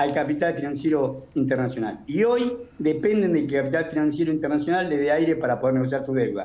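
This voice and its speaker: Speaking at a fairly quick pace with an Argentine accent, a man with a fairly high pitch is heard amid audible room echo. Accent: Argentine Spanish (Rioplatense). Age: 70s. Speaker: economist. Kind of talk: panel discussion. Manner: animated; fast.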